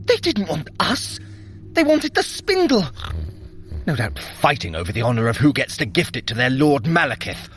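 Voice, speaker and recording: Audio drama trickster god: sly, vain, sardonic, highish voice that swings widely, some ambience behind. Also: male voice, a bit bright, slight background noise, heavily acted. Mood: frustrated, bitter. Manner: theatrical, sardonic, exasperated. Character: sly, vain trickster god, sharp-tongued, fretful brother. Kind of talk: audio drama acting, addressing the listener.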